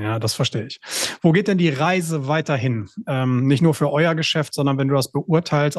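A man's voice: mid-range voice, no echo. Man interviewing casually, dry mid-range voice. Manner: asks strings of rephrased questions. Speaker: podcast host, software entrepreneur.

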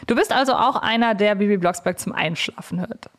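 Chatty woman hosting a podcast, medium pitch. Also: a little fast. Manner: informal, talkative, addresses listeners directly. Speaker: podcast host. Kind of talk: chatty podcast introduction and interview.

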